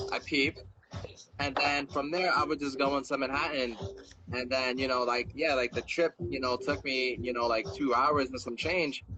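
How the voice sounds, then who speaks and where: Noticeable background noise sits behind a man with a New York accent. He keeps a moderate pace. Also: medium pitch for a man, ordinary pitch variation. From New York, Long Island. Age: 20s. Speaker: breakdancer. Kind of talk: casual chat. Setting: livestream.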